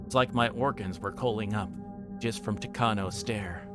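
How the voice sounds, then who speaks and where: A man's voice: on the low side, moderate pace. A man livestreaming a visual novel, reading the story aloud dramatically and chatting casually in between. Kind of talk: reading game text aloud with casual stream chat. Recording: game music playing behind the voice. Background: game music.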